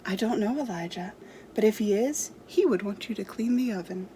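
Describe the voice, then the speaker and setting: A woman voicing a gentle, firm mother in a children's storybook, patient and instructive. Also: medium pitch, moderate pace, a little hiss or hum, lightly acted.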